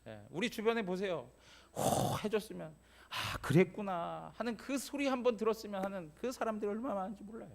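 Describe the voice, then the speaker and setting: A male pastor preaching a Sunday sermon in a church. His voice sits a little high for a man. He talks to the congregation like a neighbour, tossing them quick questions as he goes. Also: expressive, vocal fry. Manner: conversational preaching, frequent "예?" prompts to congregation. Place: church sanctuary.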